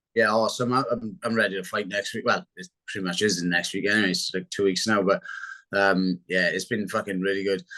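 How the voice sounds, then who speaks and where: Speaking with a strong Welsh accent, a man talks at a fairly quick pace and a fairly low pitch with fairly even intonation. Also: quiet background. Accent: thick Welsh. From Wales. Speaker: MMA fighter. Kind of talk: interview. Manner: halting.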